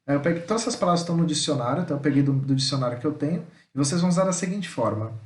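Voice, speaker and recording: A male teacher giving an online language lesson, explaining patiently and checking in after each point, sometimes sounding out words slowly. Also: fairly high pitch, expressive, echoey room.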